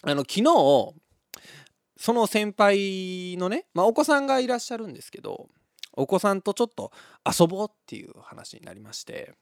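A man's voice: high-pitched, very animated, normal speed, creaky, no room sound, clean studio sound. A man with a Kansai accent hosting a radio show, telling stories casually and laughing often between lines. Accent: Kansai Japanese. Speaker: radio host. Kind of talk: casual solo storytelling.

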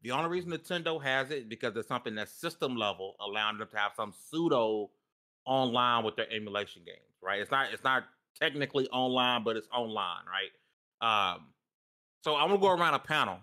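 Animated bright-voiced podcast host. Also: male voice, mid-range voice, brisk. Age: 30s. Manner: animated, laughs often, shouts out chat. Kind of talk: casual gaming podcast chat.

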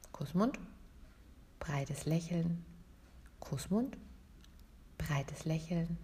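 Encouraging woman leading a vocal warm-up. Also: lowish voice. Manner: calm, encouraging, addresses listener informally. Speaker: singing teacher. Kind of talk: guided vocal warm-up lesson. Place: podcast episode.

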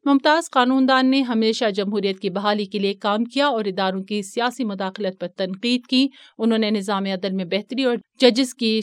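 A woman presenting a radio news program, reading a scripted report in a formal, measured way. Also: medium pitch, clear, resonant tone, no echo, studio quality. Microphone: studio microphone.

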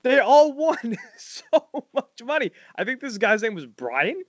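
A man, hosting a casual podcast chat and telling stories loudly, his voice jumping up high when he gets worked up. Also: a little slow, no echo. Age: 40s. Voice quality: loud voice. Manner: animated storytelling, swings high when excited. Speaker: podcast host. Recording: dull lo-fi dry sound.

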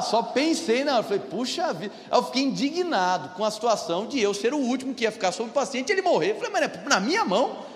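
A man's voice: high voice, long reverb tail. A man in his thirties with a Brazilian Portuguese accent, preaching a sermon as a pastor and telling a personal story, often calling out to the congregation for an amen. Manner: storytelling, often calls "amém?" and "irmão" to the congregation. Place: church hall.

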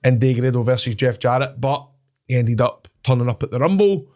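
Animated Scottish man telling stories. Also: mid-range voice, brisk. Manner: animated, swears, laughs at his own stories. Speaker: wrestler guest. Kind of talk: casual storytelling chat.

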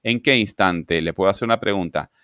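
A man explains sentence grammar in a fairly low voice. He asks questions and answers them himself, tags lines with "¿verdad?", and fills pauses with "eh" and "este". The recording is dry, with no room echo. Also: sharp tone, clear, resonant tone. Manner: asks and answers his own questions, adds tag questions; repeats words, fillers "eh" and "este". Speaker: grammar teacher.

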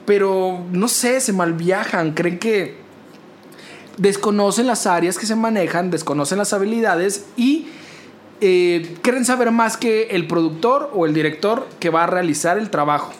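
A man's voice: high voice, a little hiss or hum. Sarcastic northern Mexican man chatting. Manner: animated, swears freely, quick sarcastic asides. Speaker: radio producer. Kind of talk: casual podcast chat.

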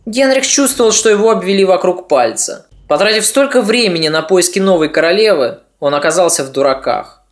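A podcast narrator reading a scripted history story in a measured, slightly ironic way. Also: mid-range voice, expressive.

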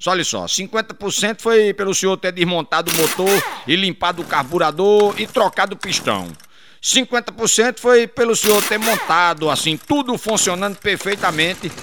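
This is a man telling a run of jokes. His voice sits a little high. He slips into the characters' voices as he goes. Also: moderate pace, background noise. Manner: lively storyteller, drops into character voices and laughs at his own punchlines. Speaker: joke teller.

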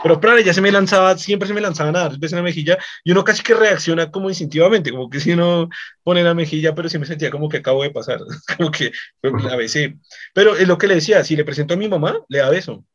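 A man's voice: fairly high pitch, quick pace. Colombian man rambling through podcast anecdotes. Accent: Colombian Spanish. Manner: rambling, repeats words, chuckles often. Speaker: podcast host. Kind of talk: casual anecdote telling. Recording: slightly dull lo-fi podcast audio.

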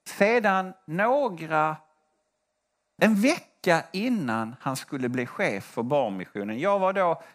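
Man, preacher giving a testimony sermon; animated storyteller, very lively pitch. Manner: animated storytelling, acting out quoted voices. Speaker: preacher and mission leader.

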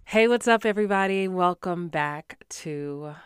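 Woman podcast host, low smooth voice, a bit congested, chatty and upbeat, dry booth sound. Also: unhurried, no room sound, soft background music. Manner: chatty, upbeat, many fillers. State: stuffy from a cold. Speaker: podcast host, actor coach. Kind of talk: casual podcast monologue. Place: small home voiceover booth in a former closet.

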